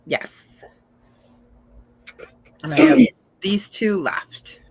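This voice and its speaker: A woman's voice: mid-range voice, sing-song, extremely slow, slightly rough, low-quality recording. A woman hosting a live online jewelry auction, chatting casually as she describes each item and laughing often. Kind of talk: casual live sales chat.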